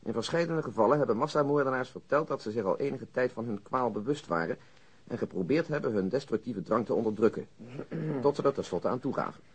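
An actor playing a methodical male police detective in a radio drama, matter-of-fact and measured, as if reciting a report. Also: medium pitch, expressive, breathy edge. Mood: dry, factual. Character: methodical, dry police detective with an exact memory.

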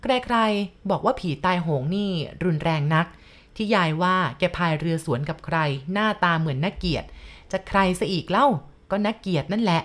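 A woman reading a first-person ghost story aloud in a calm, measured way. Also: lowish voice.

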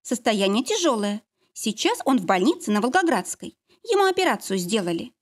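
A woman voicing a curt, haughty ex-wife who speaks in a strict, pushy, sharp way. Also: fairly high pitch, very animated, a little fast. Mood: cold, insistent.

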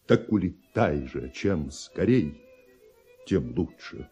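An actor playing a brooding, envious composer in a radio verse tragedy, speaking in a solemn declamatory manner with weighty pauses. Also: male voice, sits low, lively intonation, dark tone, husky, soft background music, exaggerated voice. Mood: dark resolve. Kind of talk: theatrical verse monologue, classic Russian radio play.

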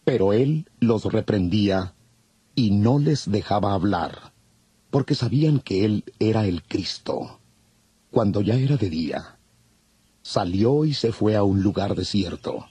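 A man narrating a dramatized audio Bible in a measured, formal way. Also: lowish voice, animated, mellow, husky, no echo.

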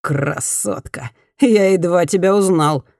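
A woman's voice: fairly low pitch, takes it slowly, gravelly, a little mellow, dry recording, studio quality. A woman voicing a brash, drunken male ex-boyfriend who drawls and leers in a pushy way. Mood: leering.

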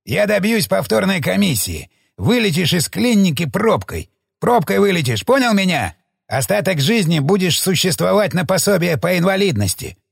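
A man voicing a furious, blustering male hospital boss who shouts threats in a raised voice. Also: sing-song, normal speed, vocal fry, slightly rough, no echo, clean studio sound, heavily acted. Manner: shouting, threatening, higher-pitched.

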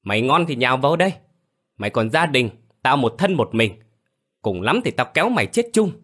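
A man's voice: mid-range voice, sing-song, fairly quick, fairly bright tone, pitched above the performer's own voice. A man voicing a fed-up wife who scolds her husband shrilly. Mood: defiant. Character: fierce defiant woman, wife fed up.

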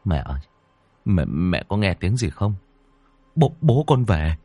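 A man's voice: sits low, big pitch swings, a little slow, mellow, slightly rough, dry recording, heavily acted. A man doing a stammering terrified young husband. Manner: stammering, panicked whispers.

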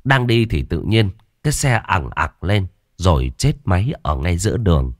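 Deep-voiced storyteller. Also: male voice, normal speed, dry recording, clean studio sound. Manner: lively, expressive storytelling. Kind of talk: horror story narration.

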